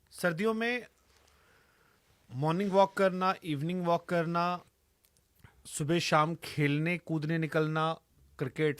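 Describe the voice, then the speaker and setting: A man's voice: on the high side, no room sound. A man hosting an interview, asking long questions that set up each topic. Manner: asks long, framing questions. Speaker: interviewer host.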